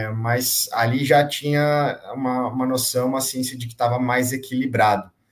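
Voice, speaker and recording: A man's somewhat breathy voice at medium pitch, with fairly even intonation. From interior of São Paulo state, Brazil. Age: 30s. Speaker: sports journalist and football supporter. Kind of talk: casual chat.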